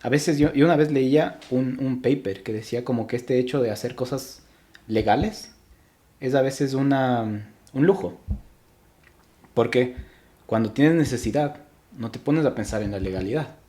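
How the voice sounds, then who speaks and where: Mellow-voiced young man from Ecuador. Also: medium pitch, normal speed. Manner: reflective, with frequent restarts and hesitations. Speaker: podcast guest. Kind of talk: casual interview chat.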